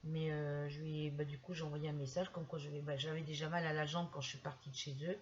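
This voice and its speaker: A hoarse woman vlogger chatting casually while she crochets, telling rambling stories with many fillers and restarts. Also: sits low, flat delivery, fast, highs cut off, a little hiss or hum.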